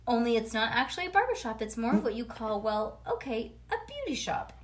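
A woman's voice: on the high side, big pitch swings, fairly quick. A woman reading the part of a weary, cautioning father in a storybook, explaining things firmly. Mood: sheepish.

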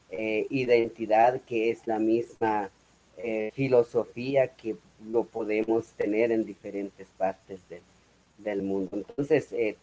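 Mellow-voiced man, K'iche'. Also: medium pitch, rough recording. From Guatemala. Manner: measured, repetitive, with frequent "eh" fillers. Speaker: guest, Maya spiritual speaker. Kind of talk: reflective explanation.

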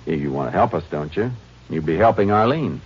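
An actor playing a steady, shrewd Texas Ranger in a 1950s radio western, speaking in measured, folksy phrases. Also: male voice, low voice, breathy edge. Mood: calm, pressing. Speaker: radio drama lead actor and narrator. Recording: muffled, noisy old radio recording.

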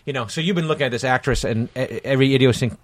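Podcast host guy talking fast and loose, swears a lot, dry room. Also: mid-range voice, no room sound. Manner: rambling, swearing, trails off mid-word. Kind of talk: casual chat.

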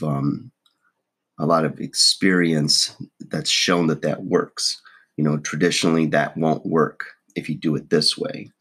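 A man talks straight to camera, his voice deep and rough with early-morning frogginess. He rambles through casual advice, stacking fillers and restarts as he thinks aloud. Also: a bit bright. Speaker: vlogger giving relationship advice. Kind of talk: casual talking-to-camera monologue.

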